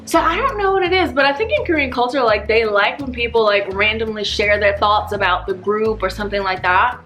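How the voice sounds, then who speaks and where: A woman vlogger who is a native English speaker, telling stories casually in an animated, slangy way and acting out dialogue. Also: on the high side, brisk, faint music behind. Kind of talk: casual chat to camera, storytelling.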